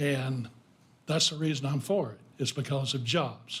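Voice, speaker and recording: Amid audible room echo, a man with a Tennessee accent talks at a moderate pace in a somewhat breathy voice with fairly even intonation. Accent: Tennessee Southern. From US South, Tennessee. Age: 70s. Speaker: retired real estate appraiser, public commenter. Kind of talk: public comment at council meeting. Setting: city council chamber.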